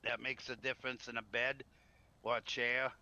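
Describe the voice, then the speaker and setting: A man's voice: medium pitch, little pitch movement, normal speed, sharp tone, highs cut off. A man in casual roleplay chat as a trader, talking in a folksy, chatty, friendly way. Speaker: roleplay gamer playing a trader.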